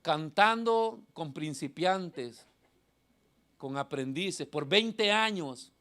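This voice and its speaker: Middle-aged male pastor, thin nasal voice, animated sermon delivery, bright and high. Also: drawn-out words. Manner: animated, swings from shouting to quiet asides. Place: church hall.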